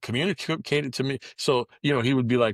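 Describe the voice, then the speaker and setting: A man talks with an American accent at a medium pitch. The sound is dry and close, with no echo. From United States. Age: 60s. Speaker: podcast co-host. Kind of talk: casual chat.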